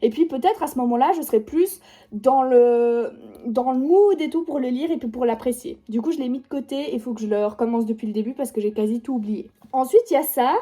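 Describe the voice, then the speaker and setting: A woman's voice: fairly high pitch, a little fast, mellow. A young woman around eighteen with a Swiss French accent, chatting casually and rambling about her reading pile with constant fillers. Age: young adult, about 18. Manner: rambling, heavy with fillers like genre and du coup. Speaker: book vlogger. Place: at home by her bookshelf.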